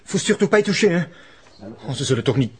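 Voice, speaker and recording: An actor playing an excitable, indignant jeweller in a radio drama, speaking Flemish Dutch mixed with bursts of French. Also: male voice, a little high, fast talker. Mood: distraught. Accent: Flemish, sprinkled with French.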